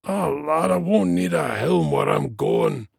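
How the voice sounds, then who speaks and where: A man voicing an old male dwarf from a fantasy storybook, weak and croaking, irritable and full of self-pity. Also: on the high side, lively intonation, unhurried, no room sound, clean studio sound, voice pushed up, exaggerated voice. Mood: weary, resigned. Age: older.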